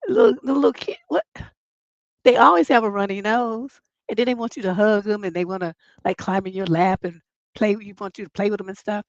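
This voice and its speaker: A woman hosting a relationship advice livestream, hoarse from a cold, chatting in a rambling, self-mocking way before reading out questions. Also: medium pitch, fairly quick, dry recording, highs cut off. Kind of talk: casual livestream advice chat.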